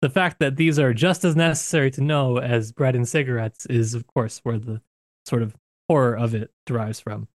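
A man's voice: mid-range voice, steady tone, moderate pace, no room sound, studio quality. A man co-hosting a book discussion podcast, talking in a thoughtful, searching way with frequent restarts. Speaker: podcast co-host.

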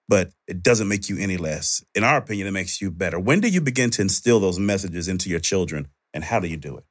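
Low-voiced African American man moderating a panel. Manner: explains step by step, checks with "right?".

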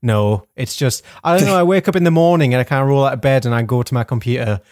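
A man's voice: mid-range voice, quick pace, darkish tone, no echo. Giggly, rambling man on a dry mic. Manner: self-mocking, rambling, giggly. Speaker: podcast co-host. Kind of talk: casual comedy podcast chat. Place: home.

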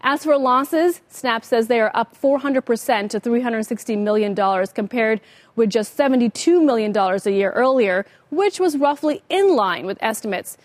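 American lady anchor doing rapid market news, brisk, kinda high voice, dry sound with faint music. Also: lively intonation, no echo. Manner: brisk broadcast delivery. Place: TV news studio.

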